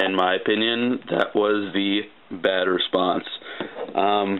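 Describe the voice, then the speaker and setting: Noticeable background noise behind a man with a fairly low pitch. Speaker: gear reviewer. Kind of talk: product review talk to camera. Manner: hesitant, stuttering, many fillers.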